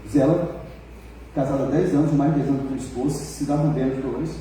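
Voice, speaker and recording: A man preaching a sermon as pastor in a church, telling stories in a colloquial, animated way and calling on the congregation for responses. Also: medium pitch, brisk. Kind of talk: sermon with storytelling. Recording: echoey church hall, mic far off, faint noise.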